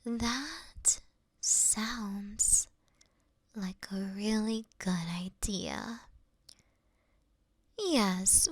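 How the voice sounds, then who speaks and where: A woman voicing a mischievous, doting fox woman in intimate roleplay ASMR, with a soft, breathy half-whisper and a coy, teasing delivery. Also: medium pitch, dry recording, studio quality, full character voice. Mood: affectionate, playful.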